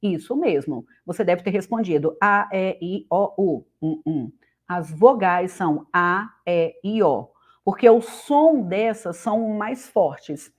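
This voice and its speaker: A woman's voice: fairly low pitch, animated, slow pace. A woman with a Brazilian Portuguese accent giving a casual online grammar lesson as a teacher, talking straight to the viewer and asking questions. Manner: chatty, addresses the viewer directly with questions.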